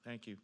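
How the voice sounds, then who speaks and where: An American man, a mayor, running council meeting procedure in a semi-formal way. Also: a little hiss or hum. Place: council chamber.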